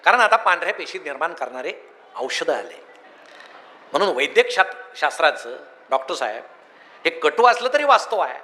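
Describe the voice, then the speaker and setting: A man's voice: fairly high pitch, big pitch swings, moderate pace, sharp tone. A man giving a humorous motivational speech, telling folksy anecdotes in a joking storyteller's manner, in an echoey hall. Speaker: public speaker.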